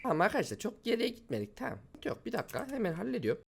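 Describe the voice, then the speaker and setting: A man giving excited let's-play commentary as a gaming YouTuber, exclaiming and talking to viewers like friends. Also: high-pitched, very fast, gravelly, very noisy.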